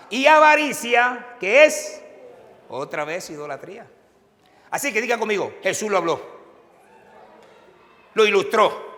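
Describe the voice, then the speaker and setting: A male pastor, preaching a sermon and quizzing the congregation, chuckling now and then. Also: high-pitched. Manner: animated preaching with call-and-response questions. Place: church sanctuary. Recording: reverberant church hall.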